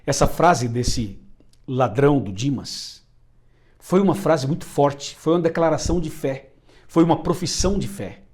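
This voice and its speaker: A man's voice: fairly high pitch, measured pace, a little mellow. A man with a Brazilian Portuguese accent preaching a sermon, emphatic and repeating phrases for effect.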